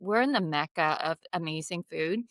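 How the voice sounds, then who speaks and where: Smooth-voiced woman from Vietnam. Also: sits low, normal speed, no echo, clean studio sound. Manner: animated storyteller with fillers. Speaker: guest, skincare founder. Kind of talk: casual interview storytelling.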